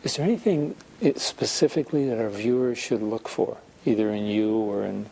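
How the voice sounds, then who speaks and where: A man's voice: fairly low pitch, a little fast, creaky, warm tone, slight background noise, rough recording. A man interviewing a therapist, asking loosely phrased, inquisitive questions. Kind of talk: asking questions in a professional discussion.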